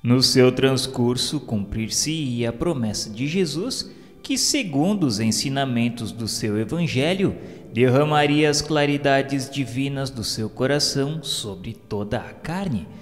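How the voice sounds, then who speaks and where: A man's voice: mid-range voice, expressive, a little slow. Male narrator, Brazilian, formal and literary read for a devotional radio drama, big reverberant sound over a music bed. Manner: solemn, formal, literary delivery. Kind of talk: scripted narration of a religious radio serial. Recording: long hall reverb.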